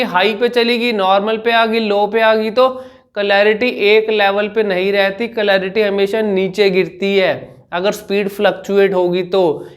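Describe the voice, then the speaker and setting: High-voiced speech coach explaining. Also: male voice. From India. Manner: demonstrates sounds by repeating syllables slowly. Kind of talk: instructional vlog.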